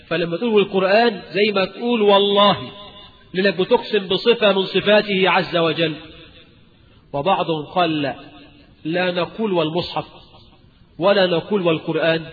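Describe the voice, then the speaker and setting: A man with an Egyptian Arabic accent giving a colloquial religious lecture, asking the audience rhetorical questions and rising in emphasis. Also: high-pitched. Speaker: preacher. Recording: dull lecture-hall recording with long reverb.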